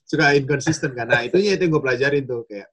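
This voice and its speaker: A man in casual chat, lively and slangy, who keeps breaking into impressions. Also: medium pitch, very fast. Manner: lively, slangy, jumps into voices. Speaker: guest impressionist.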